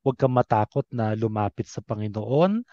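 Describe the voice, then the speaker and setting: A man's voice: lowish voice, animated, normal speed, dark tone, highs cut off. A man with a Filipino accent hosting a conversational interview, switching between two languages as he goes. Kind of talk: conversational interview hosting, mixing Tagalog and English.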